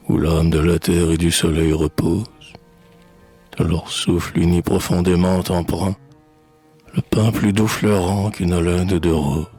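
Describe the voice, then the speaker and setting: A man reading poetry aloud in a solemn, measured, declamatory recitation. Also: low voice, darkish tone, husky. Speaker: poetry reader.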